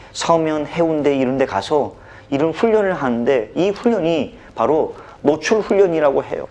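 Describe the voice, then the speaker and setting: A man from Busan, a motivational speech coach, telling a personal story in a dramatic, expressive way. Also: a little high. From Busan, South Korea. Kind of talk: animated storytelling talk.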